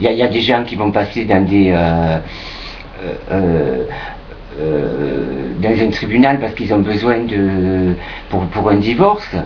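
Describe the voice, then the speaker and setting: A man with a fairly low voice speaks at a very slow pace with lively intonation and long, frequent pauses. Noticeable background noise and audible room echo fill the recording. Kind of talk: casual monologue. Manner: halting, many repetitions and fillers.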